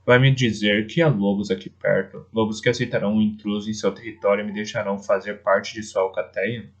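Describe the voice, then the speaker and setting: A man's voice: lowish voice, fairly even intonation, a little fast. A man voicing a proud, defiant young male wolf in an audiobook, talking in a scornful, insistent way. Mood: questioning. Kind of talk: audiobook character voice. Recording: dull lo-fi recording.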